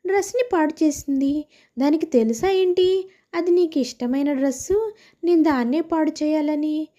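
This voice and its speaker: A woman's voice: extremely high pitch, mellow, muffled recording. A woman voicing a sarcastic neighbor housewife who fires back retorts, in a cartoon story.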